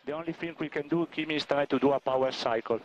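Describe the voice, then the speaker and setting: A man's voice: on the high side, quick pace, lo-fi sound. A man working as a race engineer, giving repetitive, procedural instructions over team radio. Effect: team radio transmission. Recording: noisy team radio with vehicle sound.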